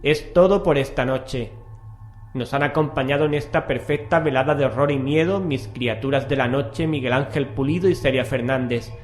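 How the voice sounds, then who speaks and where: A man's voice: mid-range voice, normal speed, faint music behind. A man with an accent from Spain, presenting and narrating a horror radio show in a theatrical, ominous way. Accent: Spanish (Spain).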